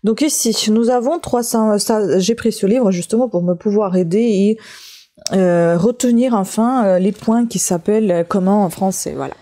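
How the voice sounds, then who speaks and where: A woman with a Russian accent, a native Russian speaker, chatting casually and a little haltingly as she thinks aloud for a craft vlog. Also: mid-range voice, dark tone. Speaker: craft vlogger. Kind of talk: casual unboxing chat while leafing through a book.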